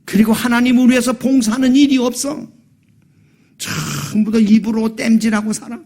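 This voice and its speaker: A man's voice: extremely high pitch, normal speed, gravelly, warm tone. A man pastor preaching a sermon in a church, telling a story and acting out the quotes, then rising to emphatic appeals. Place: church sanctuary.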